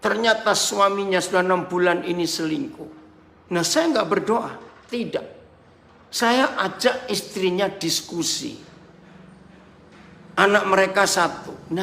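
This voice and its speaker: A male pastor preaching a sermon over a video call, dramatic, swinging between shouts and quiet asides and asking his listeners rhetorical questions. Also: sits high, creaky, reverberant. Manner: asks the congregation rhetorical questions.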